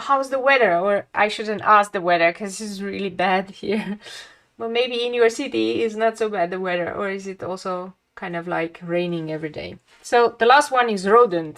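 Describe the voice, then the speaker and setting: A young woman with a calming voice chatting casually with viewers while she draws on a livestream. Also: mid-range voice. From lives near a big Dutch city. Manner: chatty, talks to chat viewers, laughs often. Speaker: art livestream host. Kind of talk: casual chat while drawing.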